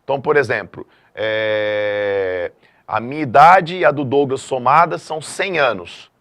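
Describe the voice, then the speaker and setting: Middle-aged male math teacher, mid-pitched, lively and emphatic lesson delivery. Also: a little slow. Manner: lively, emphatic classroom delivery with frequent checks like "tá?". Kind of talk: video lesson.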